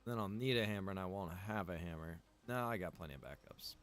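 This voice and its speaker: A man's voice: low voice, fast talker, a bit bright, faint music behind. A man chatting casually on a gaming stream in a rambling, casually profane way. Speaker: streamer playing a roleplay survival game.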